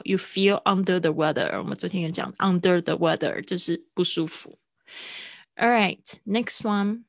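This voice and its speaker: A young adult woman teaching English travel phrases in a livestream lesson. She explains patiently and repeats each phrase slowly and clearly, with casual asides. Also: medium pitch, dry recording, studio quality. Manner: casual asides with fillers and small laughs.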